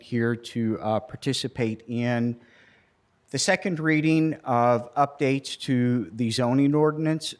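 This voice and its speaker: An American man, a county planning administrator, formally presenting at a public government meeting. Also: medium pitch. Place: local government meeting room, at podium.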